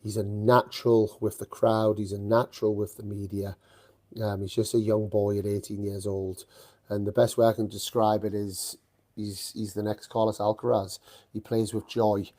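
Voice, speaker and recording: A man's voice: lowish voice, little pitch movement, normal speed, dark tone. A man with a mild northeastern English accent, a tennis podcast host telling stories with enthusiasm and plenty of fillers. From northeast England. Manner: enthusiastic storytelling with frequent fillers. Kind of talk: live podcast chat.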